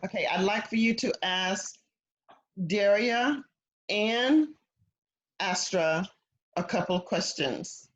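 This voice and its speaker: A woman's voice: mid-range voice, slow pace, long pauses. A woman teaching an English conversation class over a video call, patient and encouraging. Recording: dull lo-fi video call audio.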